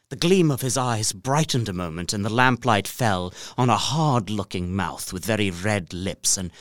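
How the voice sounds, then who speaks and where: A man's voice: fairly low pitch, no echo. Gothic audio drama: earnest male traveller, uneasy, literary, widely swooping intonation, dry close studio sound. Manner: literary, deliberate, expressive storytelling. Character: earnest, uneasy gentleman traveller recounting his journal. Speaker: actor narrating a journal.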